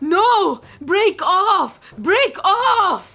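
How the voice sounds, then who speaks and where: Shouting in a put-on character voice, the speaker swings the pitch very widely. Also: woman. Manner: desperate, shouting.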